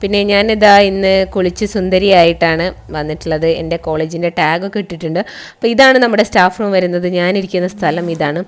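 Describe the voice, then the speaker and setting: A woman's voice: lowish voice, fast. A woman with a Kerala accent narrating a casual, chatty vlog, mixing English words into her Malayalam. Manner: chatty, addresses viewers with frequent tag words. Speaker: college teacher and vlogger.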